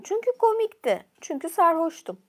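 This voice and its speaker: A woman's voice: extremely high pitch, very animated, moderate pace, pitched above the performer's own voice. A woman voicing a mischievous male trickster god who talks his way out of trouble. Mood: pleading. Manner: glib, wheedling, excuses himself.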